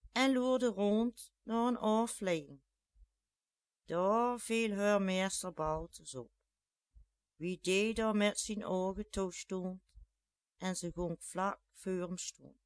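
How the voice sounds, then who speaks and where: A Flemish dialect storyteller reading a tale at a very slow, deliberate pace. The voice sits mid-pitched, and the recording is dry and close with no room sound. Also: dry recording.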